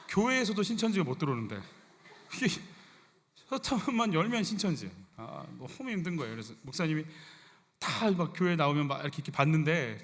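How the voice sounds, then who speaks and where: A middle-aged male senior pastor preaching a sermon, animated and conversational, often asking the congregation rhetorical questions. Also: a little high. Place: church sanctuary. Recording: church hall reverb.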